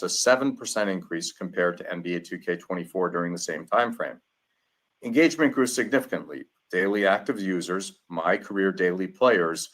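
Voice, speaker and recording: Low-voiced man reading a corporate earnings report. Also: fairly bright tone. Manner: formal, measured prepared delivery. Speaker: company executive presenting quarterly earnings. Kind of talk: scripted corporate earnings presentation.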